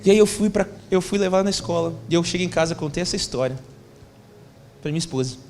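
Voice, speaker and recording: A man's voice: sits high, fast talker, gravelly, darkish tone. A man, a pastor telling a story in a sermon, acting out the dialogue in casual slang. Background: faint music.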